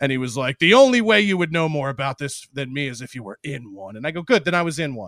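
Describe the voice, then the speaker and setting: A man with an American accent rattles on at a very fast pace in a fairly high pitch with hardly any pauses, very wide pitch swings and big swings in loudness. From Philadelphia, later Minnesota. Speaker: stand-up comedian and TV host. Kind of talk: casual podcast interview.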